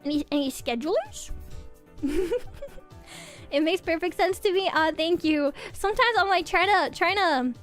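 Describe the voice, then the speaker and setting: Woman, young, high pitched, loose rambling talk, repeats herself. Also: measured pace, faint music behind. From Norway. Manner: rambling, restarts and repeats words. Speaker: streamer. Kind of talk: casual chat with viewers.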